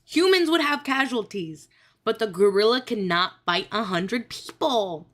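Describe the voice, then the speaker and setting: Bright, high-pitched woman streamer. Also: animated, measured pace. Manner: playful, teasing, exclamatory. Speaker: streamer and host. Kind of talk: casual livestream chat.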